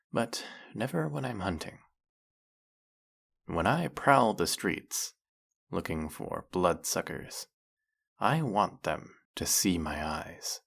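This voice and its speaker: A man playing a brooding, centuries-old vampire who hunts his own kind, speaking in a measured, dramatic roleplay monologue with a gravelly voice. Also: full character voice. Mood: menacing, smooth. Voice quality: gravelly, low. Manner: slow, measured, dramatic pauses.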